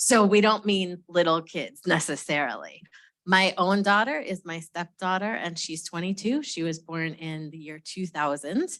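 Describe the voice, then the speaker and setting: A woman speaks at a fairly low pitch and moderate pace, with ordinary pitch variation. Her loudness swings widely against a quiet background. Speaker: teacher and parent advocate. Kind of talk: panel introduction at public event. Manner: soft-spoken.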